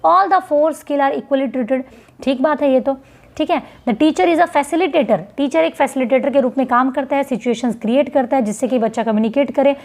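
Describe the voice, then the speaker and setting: A young woman teacher with an Indian English accent, her voice a little high. She reads the questions out slowly and carefully, then hurries through the explanations in Hindi. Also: darkish tone. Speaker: exam-prep teacher. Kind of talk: revision lesson reading out questions and explaining.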